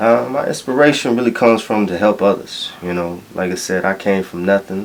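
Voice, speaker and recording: Noticeable background noise sits behind a man with a fairly low pitch. He speaks at a fairly quick pace with ordinary pitch variation. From Japan, raised in US. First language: Japanese. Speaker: entrepreneur, studio owner. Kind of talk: interview. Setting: studio.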